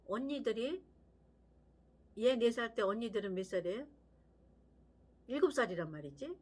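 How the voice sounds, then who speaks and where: An older woman pastor preaching a sermon in an animated storytelling manner, sometimes dropping to a whisper for emphasis. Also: high voice.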